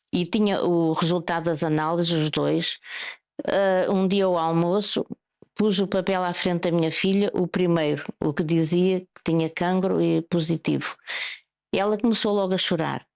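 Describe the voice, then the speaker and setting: A middle-aged woman, calmly and earnestly telling her testimony in an interview. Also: on the low side, normal speed, gravelly. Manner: calm, earnest storytelling. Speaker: church member giving a testimony.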